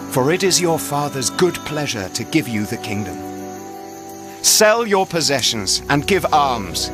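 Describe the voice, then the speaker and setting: An actor playing an earnest, reassuring male teacher preaching in a measured, rhetorical way in an audio drama. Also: on the high side. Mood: gentle, reassuring.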